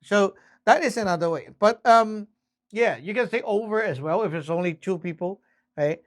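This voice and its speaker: At normal speed, a high-pitched man delivers a casual lesson on radio communication basics. He stays conversational, checks in frequently, spells things out step by step, and acts out example exchanges.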